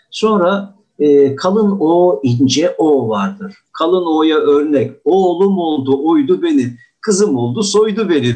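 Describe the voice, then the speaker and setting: A man's voice: medium pitch, darkish tone. An older man giving a diction lesson in a courtly manner, often saying "efendim" and acting out example words in exaggerated tones. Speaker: diction teacher. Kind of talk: lecture on pronunciation.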